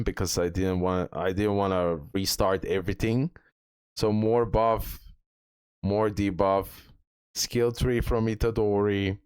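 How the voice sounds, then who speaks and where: Male gaming creator, lowish voice, casual walkthrough commentary, repeats himself for emphasis, close dry sound. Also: smooth, no room sound.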